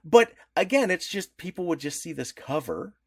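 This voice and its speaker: A male podcast co-host talking in a loose, rambling way, often breaking off and restarting mid-sentence. His pitch swings widely as he talks. The recording is dry and close, with no room sound. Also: normal speed, breathy edge, no room sound. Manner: rambling, animated, many restarts. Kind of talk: casual chat.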